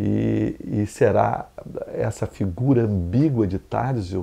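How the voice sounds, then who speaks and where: A man's fairly low voice at a very slow pace, with lively intonation. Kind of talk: informal lecture-style talk on literature and film. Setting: recorded in a hotel room. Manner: whispered, soft.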